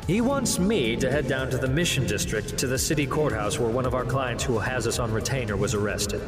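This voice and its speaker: An actor playing a smooth-talking demon who works as a defense lawyer, telling his story in a theatrical, wry way for an audio drama. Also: medium pitch, expressive, a little fast, natural voice. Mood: wry, sardonic. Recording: reverberant hall, music underneath.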